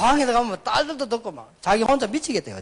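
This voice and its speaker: A man talks at a very fast pace in an extremely high pitch with lively intonation. Noticeable background noise runs behind him. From South Korea, Busan. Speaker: pastor. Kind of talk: sermon.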